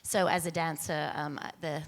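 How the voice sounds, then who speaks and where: A soft-spoken woman with an Australian accent speaks as a panelist. Her voice sits low and gentle. She talks into a handheld mic in a large tent, picked up by a camera out in the crowd. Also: little pitch movement, measured pace. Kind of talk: panel talk. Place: large tent stage before an audience. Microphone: handheld mic, far camera.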